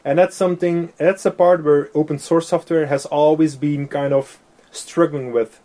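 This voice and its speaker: This man's voice sits on the high side, with a steady, dark tone and a normal speed. He's a software developer and native Dutch speaker, appearing as a guest in a relaxed English interview full of fillers and frequent laughter.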